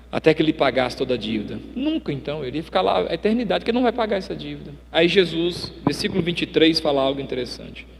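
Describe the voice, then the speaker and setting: A male pastor preaching a live sermon, telling the story dramatically and swinging between booming and hushed delivery. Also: creaky, slight background noise. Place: church hall. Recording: long church hall reverb.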